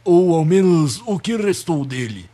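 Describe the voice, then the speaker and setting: A man's voice: fairly high pitch, big pitch swings, unhurried, dark tone. A man playing a nervous, rambling, exasperated Santa Claus in a comedic radio play. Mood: explaining, storytelling. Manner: theatrical, long-winded, exasperated. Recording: music behind the voice.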